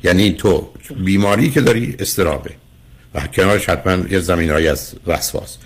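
A man's voice: sits low, husky. An older man hosting a radio call-in show as a psychologist, lecturing a caller emphatically and repeatedly calling him "dear".

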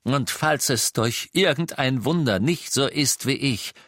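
A man's voice: mid-range voice, measured pace, a bit bright, no room sound, clean studio sound, pitched above the performer's own voice. A man reading the part of a middle-aged werewolf teacher, anguished and full of self-reproach. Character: middle-aged male werewolf teacher, tormented and guilt-ridden. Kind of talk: audiobook character voice.

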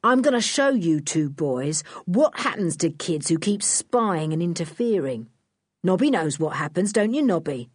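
Woman reading as a menacing gruff male crook. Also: on the low side, big pitch swings, moderate pace, dry recording, studio quality. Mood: threatening. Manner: menacing, bossy. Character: gruff threatening male circus crook, bullying.

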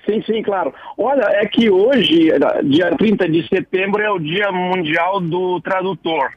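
A man's voice: sits high, a little slow, no room sound. A man giving a casual, digressive radio column as a writer, explaining words with chuckles along the way. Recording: dull lo-fi radio broadcast.

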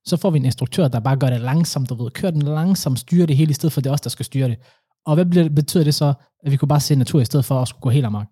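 A young man co-hosting a casual chat, telling animated stories with slang. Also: a little high, breathy edge, no echo, clean studio sound.

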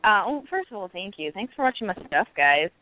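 A woman in her thirties, a stand-up comedian, telling stories candidly with quick restarts in a casual interview. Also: mid-range voice, very animated, crowd noise. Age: 30s. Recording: tinny phone-like line with faint noise.

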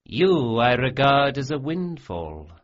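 A man's voice: mid-range voice, sing-song, takes it slowly, muffled recording, voice pushed up. A man voicing a smug, cruel male sorcerer who sneers and relishes every cruelty. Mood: gloating.

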